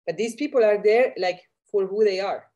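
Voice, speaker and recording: A woman's voice: medium pitch, moderate pace, dark tone, muffled recording. A woman speaking as a podcast guest in casual discussion, searching for words with many fillers and restarts. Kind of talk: conversational discussion.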